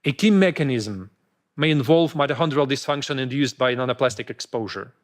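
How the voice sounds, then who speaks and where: A man giving a prepared scientific presentation at a conference, reading with frequent hesitations and restarts. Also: mid-range voice. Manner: reads haltingly with fillers and restarts. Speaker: conference speaker.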